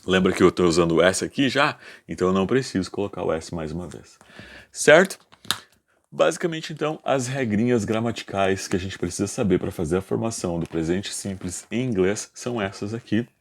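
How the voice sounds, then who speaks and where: A man with a Brazilian Portuguese accent teaching an online English grammar lesson, patiently explaining and slowly repeating example sentences, often checking in with "ok?". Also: sits low, animated.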